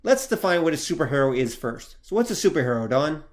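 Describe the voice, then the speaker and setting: A man's voice: a little high, big pitch swings, fast talker. Playful male podcast host. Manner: playful, theatrical openings. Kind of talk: casual podcast chat.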